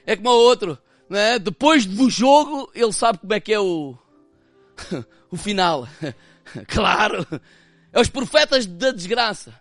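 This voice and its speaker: A man preaching with a European Portuguese accent, his voice sitting high for a man. He moves from impassioned, raised passages down to hushed, quiet stretches. The sound is dry and close, with faint music underneath. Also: animated, a little slow, pauses often, no echo. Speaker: pastor. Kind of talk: sermon.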